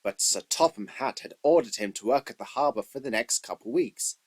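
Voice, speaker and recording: Husky male storybook narrator. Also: medium pitch, lively intonation, fairly quick. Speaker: narrator of a children's train story. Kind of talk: scripted storybook narration, read in takes.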